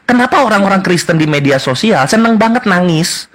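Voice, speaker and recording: A man's voice: high-pitched, expressive, fairly quick, fairly bright tone. A man arguing in a heated debate, mocking and taunting his opponents and repeating his jeers again and again.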